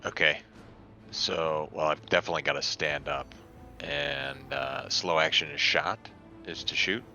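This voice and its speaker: Extremely deep, gravelly-voiced man. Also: sing-song, a little slow, bright, forceful tone, dull audio, faint music behind. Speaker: player in a tabletop game. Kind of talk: casual game chat.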